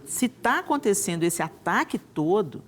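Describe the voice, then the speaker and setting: A woman hosting a television talk show, speaking with enthusiastic energy in a studio. She restarts her sentences often and leans on little tag questions, with a voice of medium pitch. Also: very animated, normal speed.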